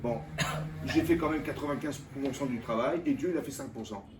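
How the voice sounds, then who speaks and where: Animated rabbi teaching in an echoey room. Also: male voice, medium pitch, moderate pace. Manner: colloquial and animated, firing rhetorical questions at listeners. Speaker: rabbi teaching a Torah class. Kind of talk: informal Torah lesson to a live audience. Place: lecture room with live audience. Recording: echoey room, mic at a distance, faint background noise.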